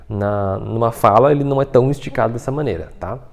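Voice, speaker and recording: Man, patient video-lesson teacher, gravelly fry in his voice, mid pitch. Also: quick pace. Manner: explains patiently, many fillers like "tá?" and "né?". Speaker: Mandarin teacher.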